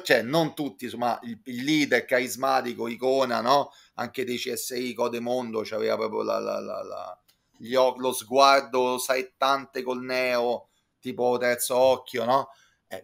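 Gravelly, reflective Roman man. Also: medium pitch, a bit bright. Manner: reflective, halting, wordy and erudite. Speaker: guest cultural commentator. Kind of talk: informal spoken concert review. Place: indoor room with bookshelves. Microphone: video call, close to computer.

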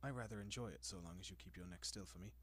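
A man playing a doting, possessive centuries-old vampire in an intimate roleplay audio, speaking in a genteel, coaxing manner with lingering pauses. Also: deep voice, fairly bright tone. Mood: tender, indulgent.

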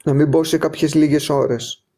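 A man chatting casually as a live stream host, talking in quick, lively bursts. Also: a little high. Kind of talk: casual chat.

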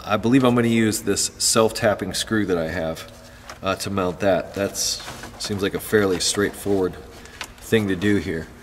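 A man casually demonstrating a car repair step by step while he works, talking as he handles parts. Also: lowish voice. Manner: relaxed, talks while working with hands. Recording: long reverb with faint background noise.

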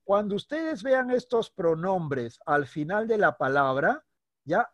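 A man teaching a primary school class online. He is patient, checks in constantly with short questions, and slows down to stress words when he explains. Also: high voice, animated, fairly bright tone, dry recording. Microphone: computer mic on a video call.

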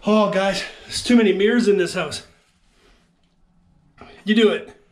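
A man, excitedly talking to viewers while exploring an empty abandoned house on an action camera. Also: high-pitched, a little slow. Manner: excitable, keeps calling out to viewers. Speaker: urban explorer vlogger. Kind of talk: casual exploring vlog to camera. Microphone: handheld action camera.

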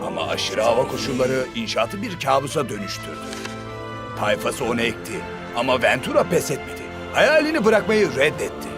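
A man's voice: mid-range voice, very animated, fairly quick, close to an everyday voice. A man voicing an eager young footballer who loves adventure, in a dubbed cartoon, with a theatrical, swooping delivery. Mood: excited. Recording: music bed under voice.

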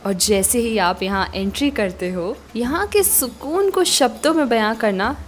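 A young woman narrating a travel vlog voice-over in a calm, informative storytelling manner. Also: a little high, unhurried, a little hiss or hum. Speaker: travel vlogger.

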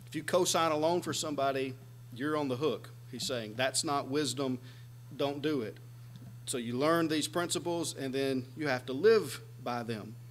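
A man's voice: mid-range voice, normal speed. A man in his forties preaching a sermon in a small church room, earnestly explaining scripture and gesturing as he talks. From United States. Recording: faint background hum.

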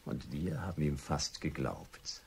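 An actor playing a jovial, chatty crime writer in a German radio play, with a raspy voice and theatrical banter. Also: male voice, a bass voice, sing-song, unhurried, a little mellow, full character voice. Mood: wry, narrating.

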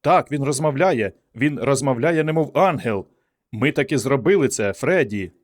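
A man voicing a boisterous, blunt surgeon who shouts in excitement. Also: mid-range voice, moderate pace, pitched above the performer's own voice, natural voice. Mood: jubilant. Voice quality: exclamatory, boisterous. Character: boisterous jubilant male surgeon, loud and blunt.

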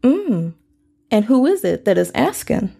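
A cool, formal house servant with a high, gravelly, dark voice, as a man puts him on. The speech is measured and proper, never warm. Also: big pitch swings, full character voice. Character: stiff formal farmhouse servant.

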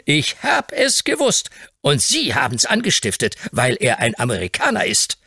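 A stolid, easily overwhelmed older grocer, put on by a male audiobook reader, gruff and plain-spoken. The voice is low and husky. It sounds close and dry. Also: wildly swooping pitch, measured pace, pushed and bright, no room sound, full character voice.

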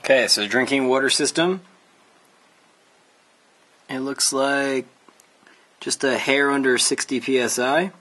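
A man's voice: medium pitch, measured pace, pauses often. Young man casually explaining plumbing work. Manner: relaxed, explains step by step with fillers. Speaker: builder demonstrating plumbing. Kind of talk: casual how-to narration. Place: indoors in a tire-walled building under construction.

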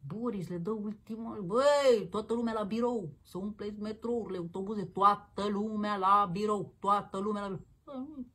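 A woman's voice: medium pitch, fairly bright tone, breathy edge. A woman hosting a political commentary show, ranting in a combative, crude and mocking way. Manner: combative, crude and mocking, peppered with slang address.

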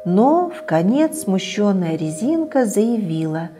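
Middle-aged female storyteller, gentle and expressive, studio read with faint music. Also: mid-range voice, slow pace. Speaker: children's TV storyteller. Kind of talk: reading a bedtime story aloud. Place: indoor TV studio set, children's room.

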